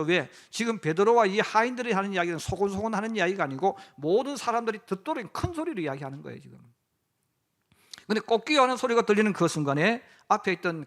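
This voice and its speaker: A man's voice: high-pitched, vocal fry. A middle-aged man preaching a sermon as pastor, acting out quoted lines in dramatic voices.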